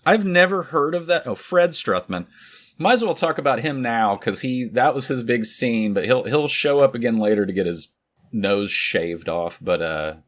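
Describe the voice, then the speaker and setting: A man's voice: mid-range voice, animated, normal speed. A man co-hosting a podcast, chatting casually about a film, joking, laughing often and trailing off into rambling asides. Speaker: podcast co-host. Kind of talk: casual film-review chat.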